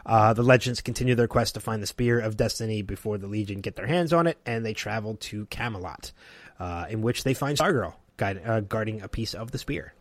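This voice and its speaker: A man co-hosting a podcast, excitedly recapping TV episodes in casual chat with restarts. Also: lowish voice, brisk, no room sound. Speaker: podcast co-host.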